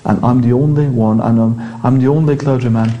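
Mellow-voiced Norwegian priest. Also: male voice, medium pitch, fairly even intonation, fairly quick, muffled recording. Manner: earnest, restarts words, laughs between points. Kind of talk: interview guest, explanatory talk.

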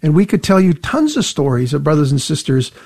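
A man telling a story in casual conversation, animated, his voice rising when he is moved. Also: a little high, brisk, gravelly, dry recording, clean studio sound.

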